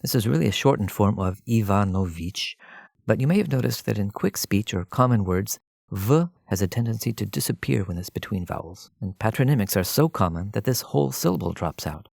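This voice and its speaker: Low, creaky male teacher, close dry sound. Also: lively intonation, a little mellow, no room sound. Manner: measured, explanatory, addresses listener directly. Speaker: language teacher. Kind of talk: scripted lesson narration.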